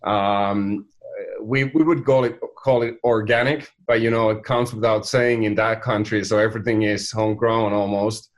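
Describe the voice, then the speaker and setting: Finnish-accented man, halting. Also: on the low side, steady tone. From Finland. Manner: halting, many fillers and restarts. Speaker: company founder, guest. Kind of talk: casual interview talk.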